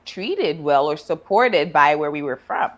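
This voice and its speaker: A woman in her thirties from Ghana, hosting a casual interview. Her voice sits a little low, and she asks friendly, curious questions and laughs easily. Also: lively intonation, measured pace. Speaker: therapist and podcast host.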